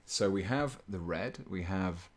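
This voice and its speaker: Reading out chat messages and chuckling frequently, this man keeps up easygoing talk while painting on a live stream. His low, fairly monotone voice stays deep and even, and he speaks a little slowly.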